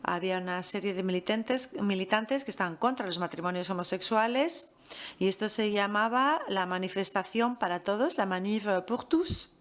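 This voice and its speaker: Woman, mid-pitched, measured lecturer who pauses a lot. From France. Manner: measured, pauses often with fillers. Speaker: guest lecturer. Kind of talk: master class talk.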